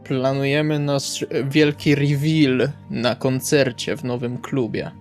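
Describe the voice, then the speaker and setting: A man's voice: mid-range voice, little pitch movement, slow, lightly acted. Man acting courteous young-woman's musician friend, hesitant, awkward, tabletop game, faint music. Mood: polite, awkward. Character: Salvi, polite, awkward musician friend of the daughter.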